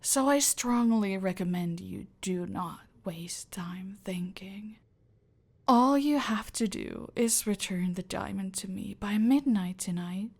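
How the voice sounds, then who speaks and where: A domineering female cartel boss, played by a woman in an ASMR roleplay, who delivers her threats in a soft, close whisper. Her voice is gravelly with vocal fry. She speaks slowly, dragging out every word to keep the listener under her control. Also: medium pitch. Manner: slow, deliberate, menacing, controlling.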